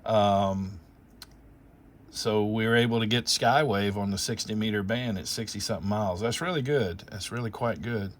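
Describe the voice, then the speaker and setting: A man's voice: lowish voice, moderate pace, a little hiss or hum. A man hosting as an amateur radio operator, casually talking through technical details in a rambling, explanatory way, thinking aloud as he goes.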